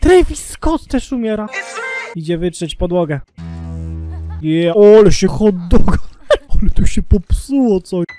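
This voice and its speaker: A high-voiced man streams his games and reacts to everything with cursing, bursts of laughter and sudden shrieks. His pitch leaps wildly and he speaks at an unhurried pace. Loud game music plays behind him. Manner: swears constantly, laughs and shrieks in excitement. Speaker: gaming streamer. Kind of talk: reactive gameplay commentary.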